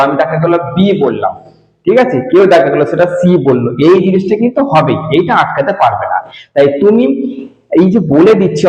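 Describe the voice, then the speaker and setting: A man's voice: on the high side, a little mellow. A man teaching in a strongly echoing room. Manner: casual, addresses students directly. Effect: strong echo from a bare room. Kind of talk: going over exam answers for students. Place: room with renovation work going on. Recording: echoey room, dull lo-fi sound.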